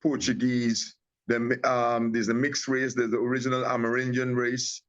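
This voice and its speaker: A man's voice: mid-range voice, little pitch movement, normal speed. Man from Guyana on a dull remote call. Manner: rambling, with many restarts and fillers. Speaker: guest, tea company owner. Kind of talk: casual interview talk.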